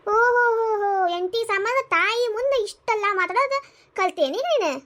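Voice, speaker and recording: A woman voicing a sharp-tongued older village mother-in-law in a cartoon comedy, shrill and sarcastic, with a North Karnataka Kannada accent. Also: a little fast. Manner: shrill, sarcastic, defiant scolding.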